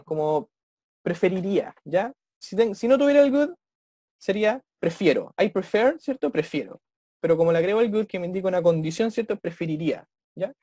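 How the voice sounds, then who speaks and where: An English teacher, giving an online class over a video call, who ends nearly every phrase with a checking question and slows down to model English phrases. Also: medium pitch, mellow, no room sound.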